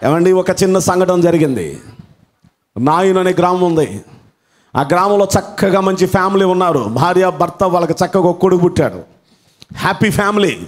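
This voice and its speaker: Male pastor, fervent sermon, high voice, dramatic retelling, repeated phrases. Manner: fervent, exclaims hallelujah.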